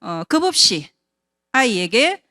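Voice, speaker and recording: A woman in her fifties shares her own story with a seminar audience, her pitch rising and falling a lot as she talks. She speaks conversationally, often checking in with the listeners through rhetorical questions. The sound is dry and close, with little room around it. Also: very animated, takes it slowly, bright, forceful tone, no room sound. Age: 50s. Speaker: invited speaker at a business seminar. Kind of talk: personal testimony talk to an audience.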